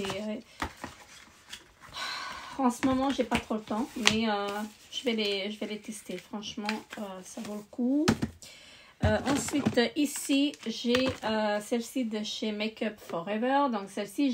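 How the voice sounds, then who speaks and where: A woman's voice: on the high side, darkish tone. A woman beauty vlogger chatting casually while showing her makeup, with lots of hesitations and restarts. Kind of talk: casual chat.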